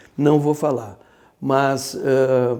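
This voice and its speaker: A man speaks with a dark, mellow tone. Room echo is audible. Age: 60s. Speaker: football club president. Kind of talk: interview. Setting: football stadium. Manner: halting, many fillers.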